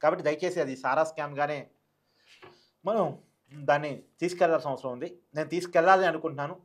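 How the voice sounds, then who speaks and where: A man's voice: on the high side, fairly even intonation, quick pace. A man giving opinionated political commentary to online viewers, emphatic, repeating phrases and asking rhetorical questions.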